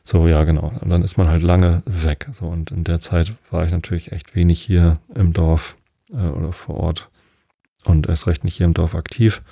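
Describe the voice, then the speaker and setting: Low, gravelly, soft-spoken middle-aged man. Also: level tone, no echo, studio quality. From Northern Germany. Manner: slow, soft-spoken, with many fillers. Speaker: podcast host. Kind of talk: calm rambling monologue. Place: at home.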